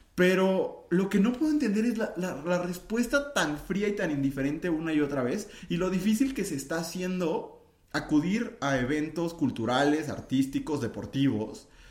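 A man with a Mexican accent speaks at a moderate pace in a high, animated voice with very wide pitch swings. Audible room echo and noticeable background noise surround him. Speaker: podcast co-host. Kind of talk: casual chat.

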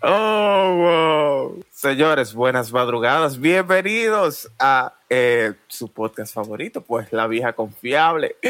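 A fairly high-pitched man with a Dominican accent, very slow yet with hardly any pauses, his pitch swinging very widely, in a very clean recording over a silent background. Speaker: podcast host. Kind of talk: casual chat.

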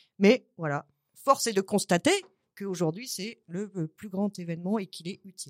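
A woman with a plain, everyday voice, medium pitch, moderate pace, ordinary pitch variation and big swings in loudness. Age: 40s. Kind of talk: casual chat. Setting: studio.

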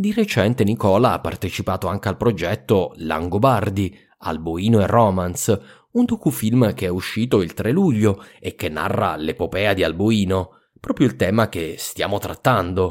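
Recorded very cleanly with a silent background, a man with an unremarkable speaking voice talks at a moderate pace, fairly low in pitch, with ordinary pitch variation. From Abruzzo, Italy. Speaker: history podcast host. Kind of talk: narrated history lecture and interview.

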